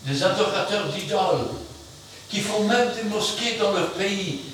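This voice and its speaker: A man preaching an emphatic sermon, swinging between loud outbursts and quiet asides. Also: high voice, animated, a little slow. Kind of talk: fiery sermon. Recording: very echoey room, mic far off, faint noise.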